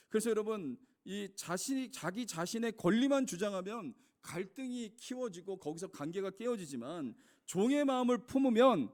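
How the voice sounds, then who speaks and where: A man's voice: high voice, darkish tone. A male pastor delivering a sermon, earnest and emphatic, repeatedly addressing the congregation. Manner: earnest preaching, rising to emphatic peaks, addresses congregation as "여러분".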